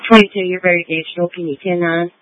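A woman giving brisk, clipped dispatch calls over a walkie talkie. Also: on the low side, steady tone, dry recording. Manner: brisk, clipped call codes. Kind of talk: terse radio dispatch calls. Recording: tinny two-way radio, dry.

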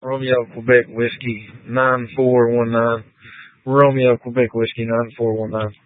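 A police officer talking over a police radio, giving terse call codes and spelled-out plates. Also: male voice, medium pitch, level tone, a little slow, no echo. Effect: police radio transmission. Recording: tinny dry radio channel.

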